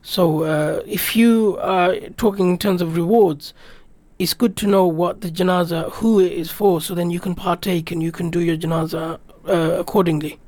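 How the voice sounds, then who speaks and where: Speaking at a normal rate, this English-speaking man from Britain reminisces on the radio about his travels, earnest and reflective as he rambles. His high voice is slightly mellow, his intonation fairly even, and there's no echo.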